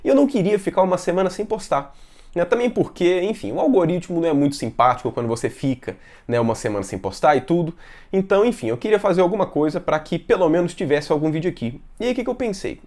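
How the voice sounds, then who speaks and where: A Brazilian man hosting a science channel talks casually and haltingly, sick with a sore throat and fever, often adding tag questions. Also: high-pitched, lively intonation, darkish tone. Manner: repeatedly adds "né" tags, halting. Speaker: science video host. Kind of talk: casual talk to camera.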